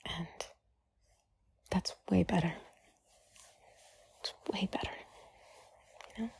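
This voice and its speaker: A woman giving intimate whispered comfort talk, soothing and gently reassuring, in a breathy, husky whisper with drawn-out pauses. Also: fairly low pitch. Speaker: audio creator speaking to the listener.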